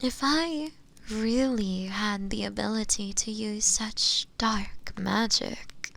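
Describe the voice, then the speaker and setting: In a fantasy audio roleplay, a woman voices an imprisoned witch, speaking in a hushed, breathy whisper with a gravelly creak at a medium pitch. She stretches her words out slowly and deliberately, sounding meek and coaxing as she pleads innocence with a sly, seductive undertone.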